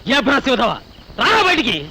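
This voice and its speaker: An actor playing a hot-tempered young husband who threatens and shouts in a Telugu film drama. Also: male voice, extremely high pitch, wildly swooping pitch, normal speed, heavy background noise, heavily acted. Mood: furious. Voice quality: fiery, threatening.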